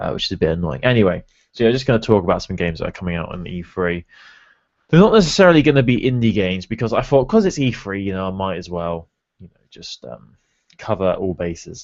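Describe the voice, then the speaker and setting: A man with a British accent speaks very fast, his fairly low voice carrying lively intonation. Behind him, the background stays quiet. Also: big swings in loudness. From UK. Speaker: gaming podcast host. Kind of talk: casual chat. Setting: video call.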